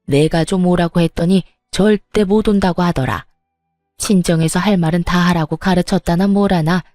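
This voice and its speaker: A woman's voice: on the low side, mellow, no room sound, studio quality, natural voice. A woman voicing an angry, scolding middle-aged mother-in-law in a narrated story, talking in a sneering, hectoring way.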